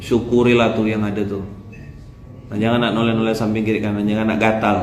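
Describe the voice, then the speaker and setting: Animated preacher in an echoey hall. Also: male voice, on the low side, fairly quick. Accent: Pontianak Malay. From Indonesia. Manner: joking, animated, acts out voices of husbands and fathers. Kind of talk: lively sermon.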